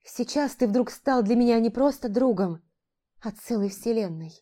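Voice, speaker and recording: A woman's voice: a little high, lively intonation, a little slow, warm tone, voice pushed up. A woman voicing a young fantasy heroine who pleads emotionally in a raised, strained voice. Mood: pleading. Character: young heroine, frightened and indignant. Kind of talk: audiobook character voicing.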